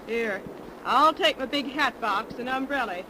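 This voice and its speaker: A brisk, bossy old aunt. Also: female voice, a little high, expressive. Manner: homespun, brisk. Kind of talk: 1930s radio drama acting. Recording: scratchy 1930s radio recording.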